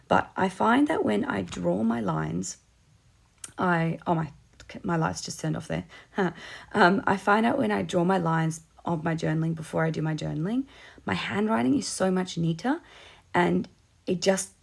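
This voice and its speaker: A hoarse Australian woman who is losing her voice, chatting casually as she narrates a craft video. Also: fairly low pitch. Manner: chatty, informal. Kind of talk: casual process voice-over.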